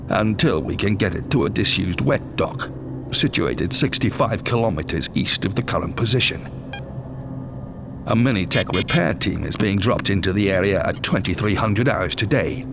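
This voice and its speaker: A serious senior military commander speaks in a lowish but very animated voice over clear background hum. The delivery is clipped, authoritative and businesslike, a game cutscene status briefing. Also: male voice.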